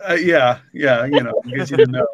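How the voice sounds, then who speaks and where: Male co-creator in relaxed podcast conversation: halting, rambling delivery, mid-range voice, close dry sound. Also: mid-range voice, no echo. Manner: halting, rambling, repeats words. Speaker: co-creator and writer discussing his story. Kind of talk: casual chat.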